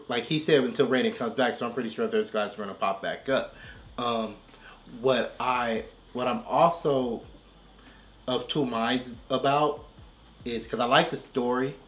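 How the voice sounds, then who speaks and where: A man giving casual commentary in a discussion, explaining his points and often checking in with a quick "right?". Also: mid-range voice, fairly bright tone. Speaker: reaction show commentator. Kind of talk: casual discussion of game story.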